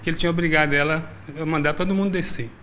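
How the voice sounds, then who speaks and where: A man with a Brazilian accent, a robbery victim telling a news interviewer what happened in a plain, hurried way. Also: on the high side, fairly even intonation, pushed and bright, a little hiss or hum. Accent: Brazilian Portuguese. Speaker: crime victim.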